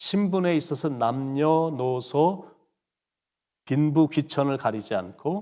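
This is a man with a plain, everyday voice. His pitch is fairly high and varies in an ordinary way. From Chungcheong, South Korea. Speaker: pastor. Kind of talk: sermon. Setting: online early morning prayer service. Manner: formal.

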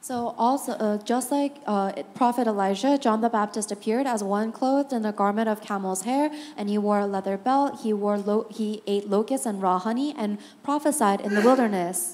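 This woman has an ordinary speaking voice, fairly high in pitch, with ordinary pitch variation. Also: fairly slow pace. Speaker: English interpreter. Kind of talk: consecutive interpreting of a sermon. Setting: church.

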